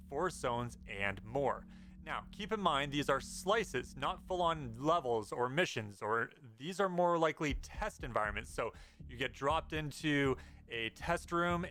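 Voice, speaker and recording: A man's voice: mid-range voice, bright, forceful tone, a little hiss or hum. A man hosting an informal video commentary on game news, speaking as a narrator over his footage. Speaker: gaming news YouTuber, host. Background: background music.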